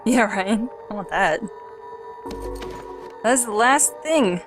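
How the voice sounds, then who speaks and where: A woman's voice: medium pitch, animated, slow. A woman hosting a let's play with casual, dry, joking commentary. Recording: game music behind the voice.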